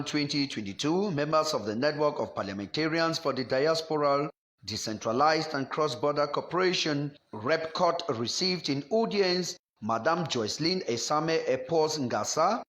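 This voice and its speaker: A man reading a scripted news report voice-over in a measured, formal way. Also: fairly high pitch, a bit bright. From Cameroon.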